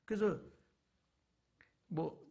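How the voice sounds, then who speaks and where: Extremely slow and warm-toned, a male pastor delivers a sermon as a guest at a church revival, blending folksy humor with a barrage of rhetorical questions aimed at the congregation.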